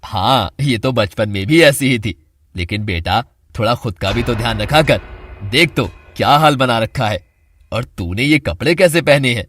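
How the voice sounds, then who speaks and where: A woman lowering her voice to play a kind, caring middle-aged father in an animated story. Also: normal speed, a little hiss or hum. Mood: fatherly. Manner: gentle, fatherly.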